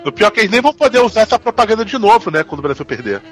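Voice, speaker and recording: Podcast panelist: Brazilian man, high register, expressive pitch, casual and joking. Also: racing, soft background music.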